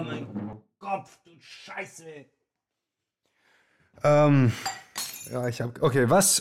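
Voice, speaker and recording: Radio show host, musing monologue, slow and halting. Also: male voice, on the high side, a little hiss or hum. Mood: frazzled, pained. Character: male radio show host, headachy, musing on turbo-folk.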